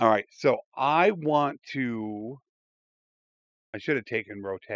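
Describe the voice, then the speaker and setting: Very slowly and with lively intonation, a man speaks at a medium pitch. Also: dry, close sound with no echo. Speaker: gaming livestreamer. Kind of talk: gameplay livestream commentary. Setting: livestream.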